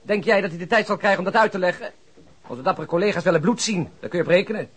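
A principled male police detective in a radio drama. His voice is rough-edged and he speaks rapidly, with irony and moral conviction. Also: sits high. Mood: indignant. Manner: ironic, impassioned. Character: indignant, compassionate, cynical-humoured male police detective with a conscience. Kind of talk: radio play dialogue.

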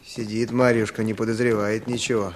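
A man's voice: on the low side, level tone, brisk, background noise, close to an everyday voice. An actor playing a brash, teasing young village man in a Russian radio drama, with a colloquial rustic manner. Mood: low, conspiratorial. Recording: radio play with music underneath.

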